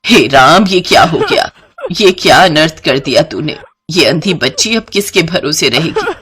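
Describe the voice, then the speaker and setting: A woman's voice: low-pitched, lively intonation, measured pace, a bit bright. A woman voicing a greedy, scheming middle-aged maidservant with sugary, coaxing talk in a cartoon story. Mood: alarmed.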